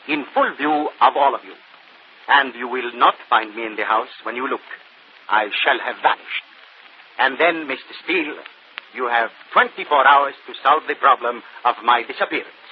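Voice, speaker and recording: A man's voice: medium pitch, natural voice. A proud stage magician, voiced by a man, speaks in stately, formal sentences. It sounds like a muffled vintage radio broadcast with faint hiss. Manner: formal, stately speech without contractions.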